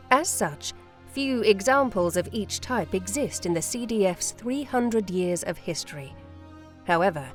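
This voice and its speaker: A woman reading scripted documentary-style narration in a formal, measured manner. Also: mid-range voice. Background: music.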